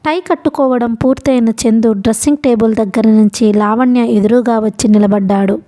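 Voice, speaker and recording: Mellow-voiced woman narrating a novel. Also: on the high side, fairly even intonation, fairly quick. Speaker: audiobook narrator.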